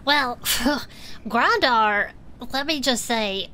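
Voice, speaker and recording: A woman co-host with a bright, fairly high voice tells a story recap. She is chatty and dramatic, with very mobile intonation. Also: lively intonation, very slow, slight background noise. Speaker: co-host and player.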